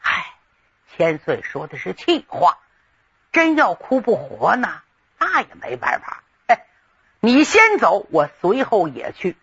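A storyteller voicing a blustering, folksy old male general with a gruff voice that drops low and breathy. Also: wildly swooping pitch, slow, pauses often, a bit bright, highs cut off, exaggerated voice. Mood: soothing. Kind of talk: traditional storytelling.

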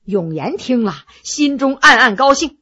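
A woman telling a traditional tale with animated, rhythmic phrasing. Her voice is high and bright and swings widely as she builds the drama. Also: unhurried, husky, lo-fi sound. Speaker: storyteller. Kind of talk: traditional oral storytelling.

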